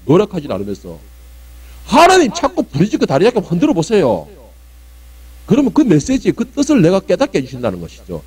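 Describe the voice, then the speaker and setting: A male pastor preaching a sermon with great emphasis, swinging between loud cries and low murmurs and acting out prayers dramatically. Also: wildly swooping pitch, brisk, breathy edge. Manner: acts out prayers and quoted voices dramatically. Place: church sanctuary.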